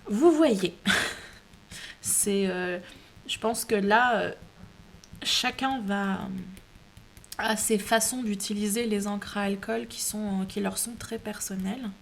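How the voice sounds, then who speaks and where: A woman's voice: medium pitch, slow, gravelly, long pauses, a little hiss or hum. A woman hosting a casual craft tutorial at home, chatty, with many hesitations and restarts. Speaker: craft video host.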